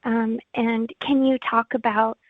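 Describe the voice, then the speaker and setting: A woman's voice: fairly high pitch, level tone, unhurried, no echo. A woman analyst politely asking questions on an earnings call. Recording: dry tinny phone line.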